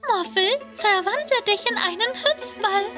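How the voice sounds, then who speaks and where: A woman's voice: very high voice, expressive, measured pace, music in the background. A woman voicing a cheerful, earnest little girl in a German children's cartoon dub. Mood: determined.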